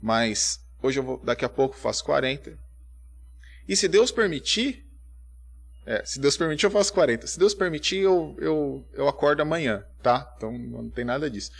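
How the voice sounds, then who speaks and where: A man, giving a conversational church sermon full of rhetorical questions, rising to loud emphatic peaks and dropping to quiet asides. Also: mid-range voice, expressive, normal speed, gravelly, breathy edge. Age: 30s. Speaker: preacher.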